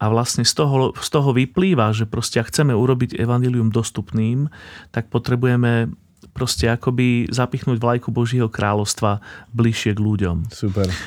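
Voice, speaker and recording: In an ordinary speaking voice with ordinary pitch variation, the speaker goes at a moderate pace on a very clean recording with a silent background. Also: man, medium pitch for a man. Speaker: pastor. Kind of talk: casual chat.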